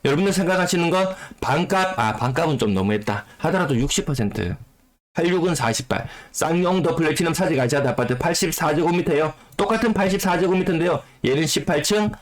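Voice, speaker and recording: A man whose voice is rough from a cold, explaining housing market figures and repeating key phrases for emphasis. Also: fairly high pitch, animated, fast talker. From South Korea. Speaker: real estate YouTuber. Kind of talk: data commentary on the housing market.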